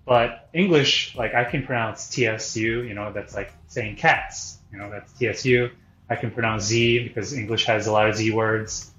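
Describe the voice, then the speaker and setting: A man's voice: lowish voice, moderate pace, a bit bright. A man from Korea who moved to the US young, a native Korean speaker, chatting informally as a podcast guest and explaining with examples. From born in Korea, moved to the US young. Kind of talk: casual podcast conversation. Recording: roomy echo, dull lo-fi sound, faint music.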